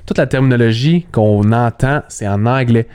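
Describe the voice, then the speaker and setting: A man's voice: mid-range voice, moderate pace, a little mellow, smooth. A man with a Quebec French accent, a basketball analyst talking casually in an interview, repeating words and slipping in English terms.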